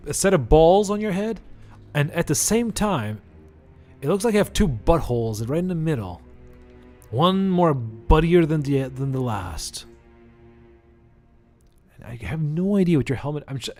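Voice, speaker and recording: A man's voice: a little high, darkish tone. Irreverent Portuguese-accented male gamer. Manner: irreverent, joking, rambling. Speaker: streamer. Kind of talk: let's-play commentary.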